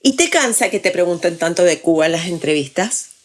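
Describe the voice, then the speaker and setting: A woman host interviewing a guest, asking calm and curious questions. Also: fairly low pitch, fairly quick.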